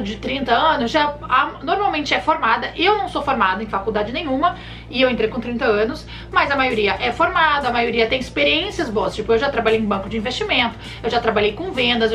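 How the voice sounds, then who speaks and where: A woman in her thirties from Brazil, a flight attendant giving casual advice to camera with lively gestures, recorded in a bedroom. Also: sits high. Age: 30s. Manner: chatty, animated hand gestures, addresses viewers warmly by nicknames. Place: bedroom, indoors. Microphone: camera in front at chest framing.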